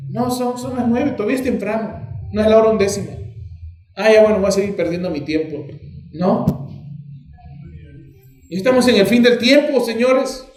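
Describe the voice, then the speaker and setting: A man with a Peruvian accent preaching a sermon as pastor, lively and acting out little dialogues as he talks. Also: high voice, moderate pace, long pauses, faint music behind. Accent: Peruvian Spanish. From Peru. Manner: animated, acts out dialogues with shifting voices. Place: church sanctuary. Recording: echoey church hall.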